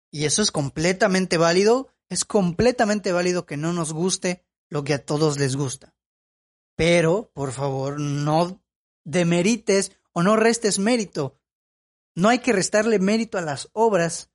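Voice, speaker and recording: A man giving opinion commentary as a film vlogger. He talks in an emphatic, lecturing way and repeats his points. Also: high-pitched.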